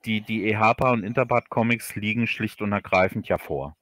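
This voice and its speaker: A man's voice: fairly low pitch, a little fast, a bit bright, no room sound, clean studio sound. A man from Hesse, Germany, talking casually as a guest author in a livestream interview, often repeating words as he thinks. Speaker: guest author of audio dramas.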